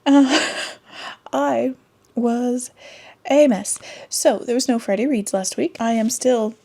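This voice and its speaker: A woman's voice: on the high side, steady tone, takes it slowly, darkish tone. A congested woman hosting a casual book review channel, rambling and correcting herself and laughing often as she talks into a desk microphone. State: congested from a cold. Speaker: booktube host.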